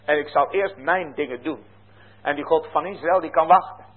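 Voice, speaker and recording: A man voicing a proud king who begs in a high, strained wail and then shrugs off God stubbornly. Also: normal speed, husky. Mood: defiant. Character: pleading proud Egyptian king, male, middle-aged. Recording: tinny phone-like lo-fi recording.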